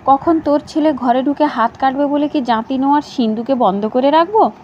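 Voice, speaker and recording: A woman's voice: high voice, fairly quick, lightly acted. Woman voicing a stern scolding matron. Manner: sharp, scolding. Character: elder sister-in-law, stern scolding matron. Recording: slightly dull with faint hiss.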